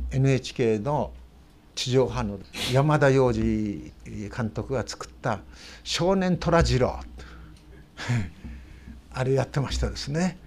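A man's voice: mid-range voice, a little mellow, slight background noise. An older man preaching a sermon as a pastor, with a Tochigi accent, earnest and emphatic, often ending sentences on a rise. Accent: Tochigi Japanese. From Tochigi, Japan. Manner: earnest, emphatic, with rising sentence ends and tag questions.

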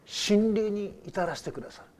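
An older male pastor delivers a sermon in a fairly high voice with a darkish tone, speaking at a moderate pace. His style is loose and conversational: he tells stories and keeps asking his listeners rhetorical questions.

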